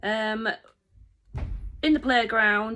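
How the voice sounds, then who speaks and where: A woman's bright, sharp voice with a Yorkshire accent and ordinary pitch variation. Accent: broad Yorkshire. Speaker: teacher. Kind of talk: reading aloud.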